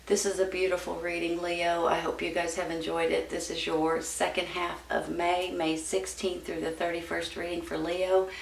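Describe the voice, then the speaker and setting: A woman's voice: on the low side, level tone, normal speed, gravelly, few pauses. A woman giving a casual tarot reading to viewers in a folksy, encouraging manner. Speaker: tarot reader. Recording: roomy, distant mic with background noise.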